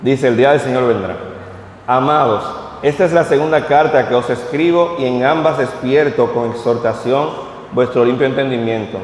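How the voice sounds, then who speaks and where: At a vigil service in a church hall, a preacher in his thirties reads scripture aloud and then speaks plainly to the congregation. His voice is medium in pitch at a normal speed. The hall is echoey with a long reverb, and a little hiss or hum is audible.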